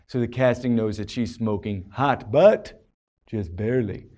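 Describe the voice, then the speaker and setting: Smug male screenwriter for sketch comedy, acted by a man: mid-pitched, self-satisfied, instructive awards-speech delivery. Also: unhurried, dark tone, lightly acted. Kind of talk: comedy character monologue.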